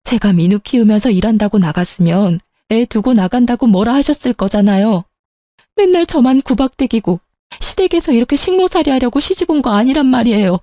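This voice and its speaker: Female storyteller, scripted first-person read; mellow, dry, aggrieved tone. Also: fairly high pitch, lively intonation, brisk, dry recording. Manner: plaintive, aggrieved.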